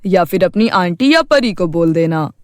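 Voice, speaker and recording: A man's voice: sits high, animated, moderate pace, clean tone, no room sound, studio quality. A man voicing a kind, grateful family man in a children's cartoon story, earnest and reassuring. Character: kind, grateful husband and father, firm.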